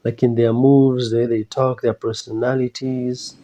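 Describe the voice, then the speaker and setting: A man's voice: medium pitch, level tone, moderate pace, mellow, dull audio. A man giving casual reaction commentary as a video host, in a hesitant, musing way.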